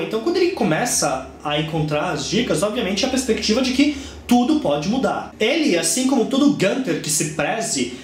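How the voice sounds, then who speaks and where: A man's voice: high voice, roomy sound, slight background noise. A young man in his twenties with a Brazilian Portuguese accent, chatting enthusiastically through a casual book review. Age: 20s.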